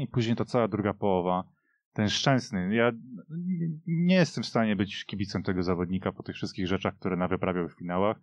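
A man's voice: deep voice, no echo, highs cut off. A man reminiscing casually about football as a panelist, speaking in an emphatic, opinionated way. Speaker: podcast panelist. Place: dry radio studio.

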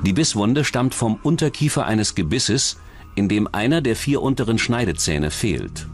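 Guy w lowish voice doing serious true crime doc narration, measured, music behind. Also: expressive. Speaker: documentary narrator.

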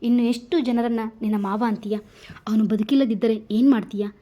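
A woman's voice: a little high, a little fast, mellow, muffled recording, natural voice. A woman voicing a joking, easygoing young male police officer in a told story. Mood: teasing. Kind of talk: storybook narration.

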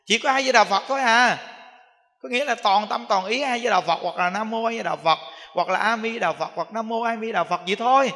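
A man speaking as a Buddhist monk giving a dharma talk with a southern Vietnamese accent, animated and repetitive, acting out everyday examples. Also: sits high, a little fast. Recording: echoey hall.

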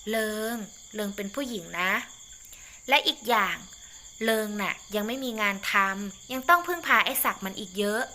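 A woman's voice: medium pitch, lively intonation, moderate pace, pushed and bright. Woman doing a lecturing old mother. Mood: scolding. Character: older mother-in-law, scolding but kindly.

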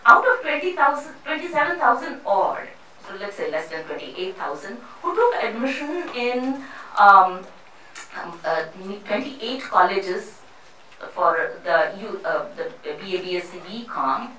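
A middle-aged woman from India addresses a seminar audience through a handheld mic. Her voice is bright and clear, and she talks earnestly, stopping and restarting often. She is picked up from across a boomy, echoing room. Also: sing-song, a little hiss or hum. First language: not Hindi; English not first language. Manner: halting, many restarts and fillers, earnest. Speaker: panel speaker. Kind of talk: public talk at a panel. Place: seminar room with a panel seated before a screen. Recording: echoey room picked up from a distance.

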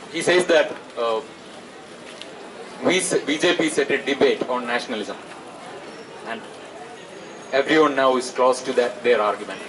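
A man in his twenties with a South Asian accent gives a protest speech as a student activist, halting and pausing often. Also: mid-range voice. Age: 20s. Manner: halting, hesitant delivery with frequent pauses. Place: outdoors at night, open-sided tent gathering. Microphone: handheld microphone through PA, recorded by camera. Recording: distant outdoor PA sound, loud ambient noise.

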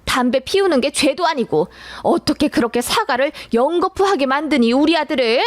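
A woman voicing an older mother-in-law who scolds her daughter-in-law in a drawn-out, lecturing way, read for a narrated story. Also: sits high, animated, dry recording, pitched above the performer's own voice.

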